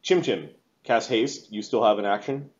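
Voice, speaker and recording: A man's voice: on the low side, moderate pace, muffled recording. A middle-aged man running a tabletop game as game master, casually narrating and explaining rules over an online call. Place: indoor room, video call.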